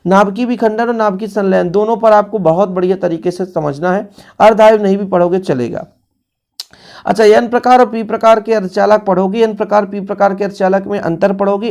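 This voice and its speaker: A man's voice: high-pitched, creaky, a little mellow. Man, physics teacher, exam revision lesson, casual brotherly tone. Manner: casual, brotherly teaching tone, addresses students directly.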